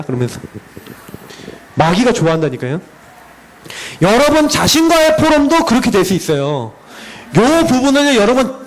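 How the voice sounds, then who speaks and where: A middle-aged male pastor preaching to a youth group in a lively, animated way, telling stories and laughing. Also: high-pitched, a little hiss or hum, poor audio.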